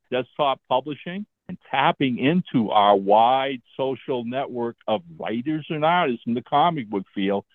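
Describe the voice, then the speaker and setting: A man's voice: mid-range voice, no echo. Older man, 70s, talkative career storyteller, frequent "all right?" check-ins, tinny phone audio. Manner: chatty, often checks in with "all right?" and "okay?". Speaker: guest, comic book writer. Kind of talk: casual interview storytelling. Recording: tinny phone-line sound.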